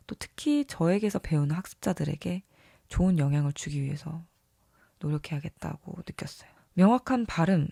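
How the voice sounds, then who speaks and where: A vlogger talking casually and reflectively about themselves, earnest and openly enthusiastic, with a creaky edge to the voice. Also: medium pitch, warm tone, no room sound, clean studio sound. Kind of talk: casual reflective self-talk to camera or mic.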